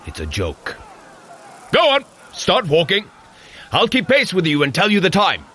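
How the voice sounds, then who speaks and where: An actor playing a boisterous, jovial Norse warrior god who coaches a mortal runner in a scripted audio drama. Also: male voice, huge pitch swings, measured pace, sharp tone, slightly rough, full character voice. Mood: encouraging, amused. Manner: jovial, theatrical, booming commands. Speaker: fitness trainer guiding a run.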